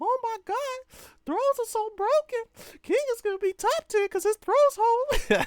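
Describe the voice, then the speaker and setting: A put-on character voice, extremely high, squeaky and whiny, moves at a moderate pace with long, frequent pauses. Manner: whining, mocking.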